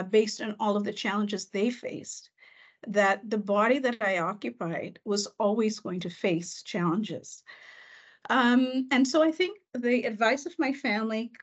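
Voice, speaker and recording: Reflective woman educator, muffled audio. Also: medium pitch. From Canada. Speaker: school administrator. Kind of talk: panel discussion storytelling.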